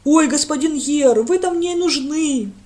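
A woman doing a loud, simple village lad. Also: high-pitched, unhurried, pitched above the performer's own voice. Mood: eager. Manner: loud, eager, drawling folksy talk. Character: big simple-minded village lad, eager.

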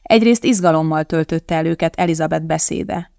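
An audiobook narrator reading a novel aloud in a steady, measured way. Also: medium pitch, creaky, no room sound, clean studio sound.

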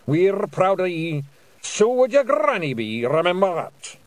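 A man voicing a polite, solemn little fairy man with a measured delivery. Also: high-pitched, sing-song, no echo, voice pushed up. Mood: earnest.

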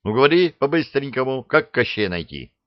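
A man's voice: mid-range voice, big pitch swings, fairly quick, no echo, highs cut off, voice pushed up, lightly acted. A man voicing a brash, impatient young hero in a storybook reading, brusque and colloquial.

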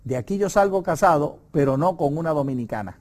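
A middle-aged man with a Puerto Rican Spanish accent leads a Bible study in a conversational but preacherly way. His voice sits a little on the high side, and he pushes up hard on key points. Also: lively intonation, a little fast, darkish tone. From Puerto Rico. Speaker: Bible lesson presenter.

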